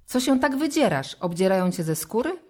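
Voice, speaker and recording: A woman's voice: medium pitch, very animated, fairly quick, a little mellow. A woman voicing a sulky young boy who grumbles and sounds bored, in a storybook reading.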